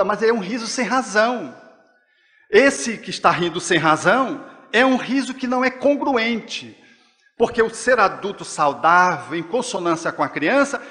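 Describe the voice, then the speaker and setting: A man with a Brazilian accent lectures at a spiritist gathering in a high voice. He is expressive and slips into the gentle voice of a parent talking to a child. His voice rings with the long reverb of a lecture hall. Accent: Brazilian Portuguese. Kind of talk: spiritist talk.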